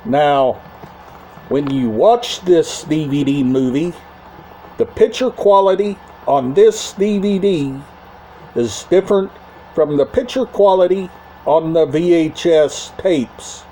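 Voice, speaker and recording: A man hosting a casual video, talking in short, halting phrases and often repeating himself. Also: fairly high pitch, mellow, a little hiss or hum. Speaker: YouTube channel host. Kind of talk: casual talk to camera about a media collection.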